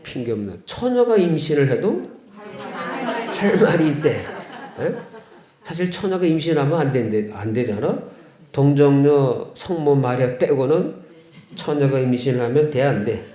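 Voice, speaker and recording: A folksy priest in an echoey chapel. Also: male voice, mid-range voice, lively intonation, moderate pace, a crowd in the background. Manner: folksy, asks the congregation questions. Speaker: Catholic priest. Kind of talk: homily. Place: chapel of a care center. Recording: echoey room.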